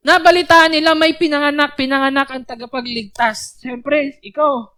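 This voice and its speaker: A woman's voice: high-pitched, fairly even intonation, normal speed, bright, forceful tone. A young woman preaching at a church youth service, talking casually and often asking the listeners rhetorical questions. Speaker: youth speaker.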